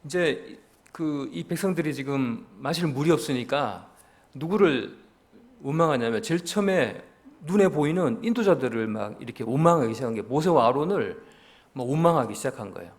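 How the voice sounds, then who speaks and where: A man's voice: medium pitch, animated, normal speed. A man pastor with a Daegu regional accent, preaching an expository sermon in a church and acting out the complaining crowd in a raised voice. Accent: Korean, Daegu region. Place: church sanctuary.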